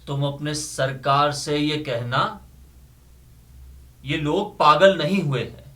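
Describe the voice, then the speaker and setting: A man's voice: fairly high pitch, sharp tone. A man giving a theatrical, impassioned and declamatory reading of poetry, repeating phrases with emphasis. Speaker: dramatic poetry reader. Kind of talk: theatrical dramatic recitation of Urdu poetry.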